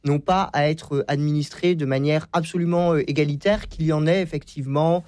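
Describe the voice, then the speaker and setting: A man speaks as a guest historian on a radio debate, thinking aloud with many restarts and fillers. His voice sits a bit high. The sound is close and dry. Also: steady tone, fairly quick, a little mellow, dry recording. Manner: hesitant, many repetitions and fillers. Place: radio studio.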